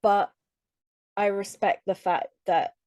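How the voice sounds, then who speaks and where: Warm, earnest woman coach talking. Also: medium pitch, steady tone, no room sound, studio quality. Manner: earnest, reflective, with frequent soft laughs; speaks in short halting phrases with restarts. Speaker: relationship coach, podcast guest. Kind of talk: conversational interview.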